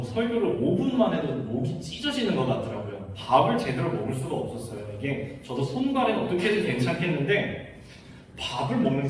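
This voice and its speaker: Korean pastor, echoey distant sermon. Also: male voice, medium pitch. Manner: animated storytelling with wry laughs. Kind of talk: sermon with personal storytelling. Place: church sanctuary. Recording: echoey church hall, distant mic, faint hiss.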